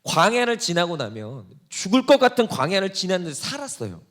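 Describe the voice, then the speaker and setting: A man's voice: high voice, wildly swooping pitch, brisk, a bit bright. A male pastor preaching a sermon, asking the congregation rhetorical questions and acting out quoted voices. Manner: acts out Satan's taunting voice in quotes.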